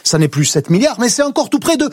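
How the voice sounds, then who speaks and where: A man giving a consumer affairs segment on morning radio, explaining the figures in a lively way. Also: very high voice, quick pace, breathy edge, no room sound, studio quality.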